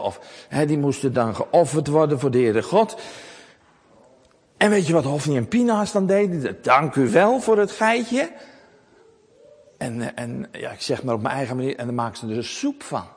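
A man telling a Bible story to children in a lively, animated way, often asking them questions. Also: mid-range voice, normal speed, slightly rough, in a large hall.

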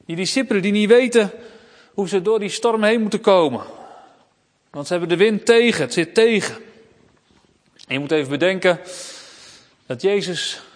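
Pastor preaching in a ringing church. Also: male voice, sits high, normal speed, pauses often, long reverb tail. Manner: lively preaching that talks straight to the children. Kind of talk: sermon.

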